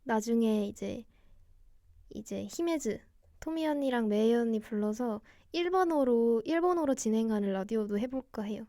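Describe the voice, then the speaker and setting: Young woman, radio DJ, soft and gentle, fairly high mellow voice, dry close sound, cozy chat. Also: expressive, normal speed, dry recording. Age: young adult. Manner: soft, gentle, quiet-spoken. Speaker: radio DJ host, idol singer livestreaming. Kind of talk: cozy radio-show style livestream chat.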